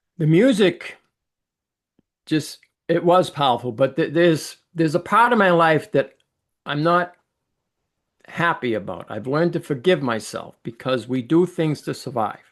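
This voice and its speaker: In a Boston accent, a man talks at a moderate pace and a fairly high pitch against a quiet background, his intonation lively and broken by long, frequent pauses. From Boston area, Massachusetts. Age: 70s. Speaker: abuse survivor advocate and musician. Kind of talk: interview testimony.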